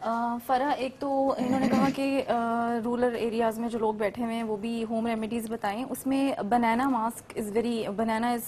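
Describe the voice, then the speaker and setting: A woman guest explaining skincare tips on a talk show in a clear, explanatory way. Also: on the high side, level tone, unhurried, few pauses, a little mellow, slight background noise. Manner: explanatory, mixes English terms.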